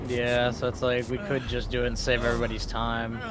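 A man talks at a moderate pace and medium pitch. Noticeable background noise sits behind him. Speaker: gaming partner. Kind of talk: casual chat while gaming. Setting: live stream.

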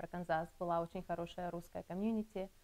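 Her voice is dark and mellow, as the woman speaks at a fairly low pitch with monotone, flat intonation. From Russian Far East, Khabarovsk. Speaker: psychologist. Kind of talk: casual interview. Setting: at home. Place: home room. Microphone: lapel.

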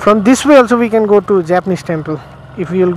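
There is light background noise, and the sound is dry with no echo. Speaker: motovlogger. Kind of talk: casual vlog chat. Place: motorbike.

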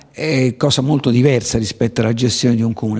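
Somewhat breathy male speech, dark and mellow in tone. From not from Brindisi area. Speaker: government commissioner. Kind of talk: interview. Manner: halting. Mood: calm, reflective farewell. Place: office. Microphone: handheld.

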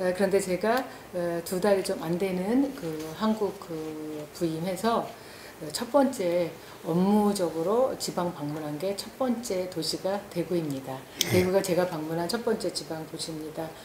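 A woman speaks at a fairly slow pace with ordinary pitch variation. Audible room echo and light background noise are present. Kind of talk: consecutive interpretation. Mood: polite formal. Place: meeting room. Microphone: camera far.

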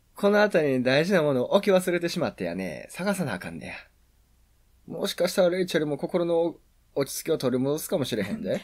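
Lively intonation marks a man's high-pitched voice as he talks at a fairly quick pace. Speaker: game streamer. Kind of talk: casual let's-play commentary.

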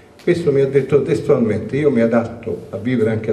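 A man with a medium pitch talks at a fairly quick pace with lively intonation in a room with audible echo. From Calabria, Italy. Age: 70s. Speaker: farmer and cooperative president; guest. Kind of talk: audience intervention at public event. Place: meeting room. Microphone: handheld.

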